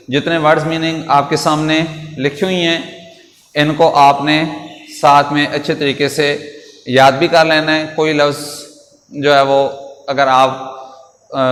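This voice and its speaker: A male teacher from Pakistan giving a recorded English vocabulary lesson. He speaks slowly and deliberately, spells each word out letter by letter and repeats its meaning. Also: fairly high pitch, fairly bright tone. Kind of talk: recorded classroom lecture. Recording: echoey room with long reverb.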